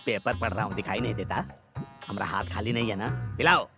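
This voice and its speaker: A gravelly bossy husband. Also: male voice, lowish voice, fast talker, over music. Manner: grumbling, demanding, comic bluster. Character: bossy, lazy middle-aged husband and father. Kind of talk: Hindi film dub.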